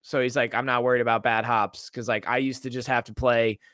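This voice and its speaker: Young male podcast co-host, animated, joking storyteller with a bright, dry sound. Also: medium pitch, brisk, dry recording. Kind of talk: casual chat.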